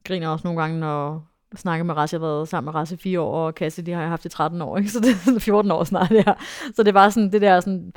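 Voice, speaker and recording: A young woman, a dressage rider, telling a story in a casual interview with lots of fillers and bursts of excitement. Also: on the low side, hardly any pauses, dry recording, clean studio sound. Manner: animated, excitable, many fillers.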